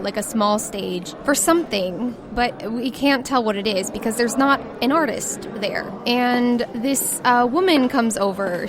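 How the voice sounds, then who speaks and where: A woman's voice: mid-range voice, noisy background. A woman acting as game master, narrating a tabletop roleplaying story in a casual, descriptive way. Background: background music.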